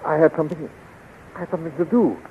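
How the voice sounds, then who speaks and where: A man's voice: fairly high pitch, fast talker, phone-quality sound, lightly acted. A man playing a brave young space adventurer, earnest and melodramatic, in a 1930s radio serial. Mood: confused. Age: young adult. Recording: thin, noisy 1930s radio recording.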